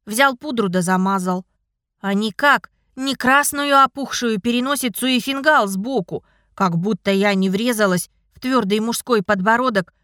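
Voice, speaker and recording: Wry, high-voiced woman narrating. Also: no room sound, clean studio sound. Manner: wry, lively, self-ironic. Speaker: audiobook narrator. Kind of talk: first-person novel narration.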